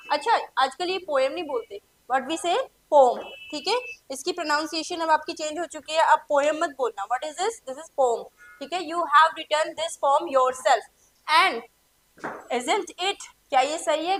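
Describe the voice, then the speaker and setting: An Indian woman teaching English for an exam, who switches between Hindi and English, reads example sentences slowly, and asks the class questions that she then answers herself. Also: high voice, a bit bright. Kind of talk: exam-prep lesson.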